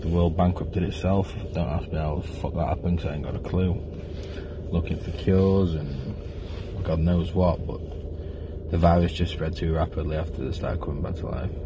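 A man's very deep, low voice, monotone and flat, at a fairly quick pace over noticeable background noise. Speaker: storyteller. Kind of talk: casual vlog monologue telling a fictional story. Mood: musing, thoughtful. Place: car. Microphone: phone near.

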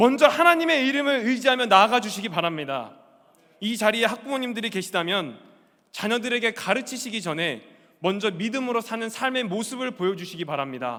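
A man's raised, projected voice, extremely high in pitch, with a bright, sharp tone, lively intonation and a fairly quick pace. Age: 30s. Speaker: junior pastor in charge of youth ministry. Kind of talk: sermon. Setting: church. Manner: formal.

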